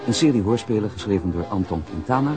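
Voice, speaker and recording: A man's voice: lowish voice, expressive, fast. Guy announcing a radio play, really varied intonation, guitar music underneath. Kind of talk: scripted radio drama introduction. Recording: music behind the voice.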